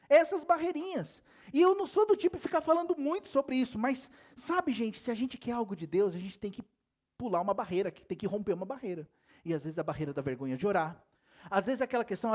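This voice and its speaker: A man's high, slightly mellow voice carries a spirited church sermon. As pastor, he questions the congregation rhetorically again and again while cracking jokes and laughing along the way.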